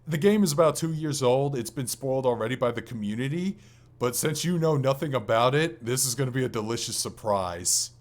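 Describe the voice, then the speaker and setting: A man's voice: medium pitch, expressive, brisk. A man co-hosting a podcast, chatting casually and enthusiastically about video games with some swearing. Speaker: podcast co-host.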